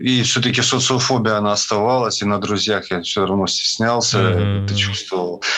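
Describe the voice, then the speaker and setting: The intonation stays fairly even while noticeable background noise runs underneath. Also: man. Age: 30s. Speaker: person with lived experience of mental illness. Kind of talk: personal testimony interview. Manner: halting.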